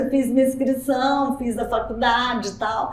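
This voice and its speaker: A woman's high-pitched voice at a fairly slow pace, with audible room echo and noticeable background noise. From Brazil, Mato Grosso do Sul (Campo Grande). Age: 60s. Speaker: visual artist. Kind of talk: interview. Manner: casual, conversational.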